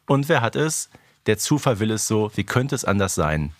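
A man's voice: on the low side, very animated, moderate pace, no echo, clean studio sound. A man co-hosting a podcast, recapping stories in a chatty, colloquial way with tag questions. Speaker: podcast co-host. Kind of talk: casual conversational recap of an audio drama series.

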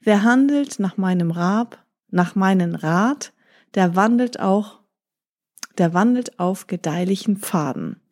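A woman's voice: mid-range voice, animated, slow pace, a little mellow. A woman voicing a clever, polite male parrot in a storybook reading, pleading and persuasive. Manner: pleading, then smoothly persuasive.

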